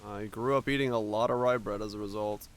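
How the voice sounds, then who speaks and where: A man's voice: fairly low pitch, steady tone, fast talker. A young man from Finland with an American accent, chatting loosely with his stream viewers, rambling and swearing with many restarts. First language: Finnish. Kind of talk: casual chat with stream viewers.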